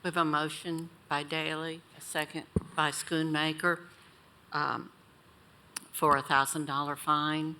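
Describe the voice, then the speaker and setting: A woman's voice: low-pitched, little pitch movement, measured pace, bright, forceful tone, a little hiss or hum. A woman chairing a county board meeting, running procedure and asking pointed questions.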